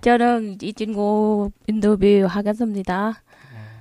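A woman in a Vietnamese accent, fairly high-pitched with a dark, mellow tone, fairly even intonation and a very slow pace. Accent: Vietnamese-accented Korean. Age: 30s. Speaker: migrant participant in radio workshop. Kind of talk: peer interview in halting Korean.

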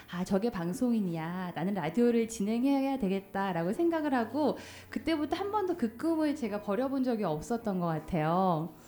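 Against noticeable background noise, a woman with a fairly high pitch talks in a cheerful tone, her pitch swinging very widely, with hardly any pauses. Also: moderate pace. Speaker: radio DJ and podcast host. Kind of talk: live public podcast recording. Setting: stage with audience. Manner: cheerful, laughing.

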